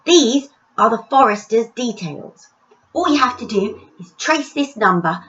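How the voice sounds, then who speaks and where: A woman's voice: on the high side, expressive, unhurried, a bit bright, dull audio, pitched above the performer's own voice. A woman voicing a bold, earnest young village boy in a children's story, speaking emphatically. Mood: earnest, indignant.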